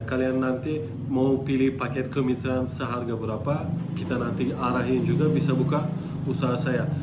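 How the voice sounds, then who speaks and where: A man with a Turkish accent talks at a fairly quick pace and a medium pitch, with ordinary pitch variation. Audible room echo and noticeable background noise are present. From Turkey. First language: Turkish (speaking Indonesian). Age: 30s. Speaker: business owner. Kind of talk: interview.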